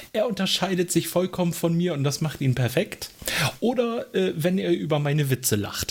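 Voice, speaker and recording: Over noticeable background noise, a man with a high pitch speaks at a moderate pace with lively intonation and very even loudness. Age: 30s. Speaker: YouTuber. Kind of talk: casual chat.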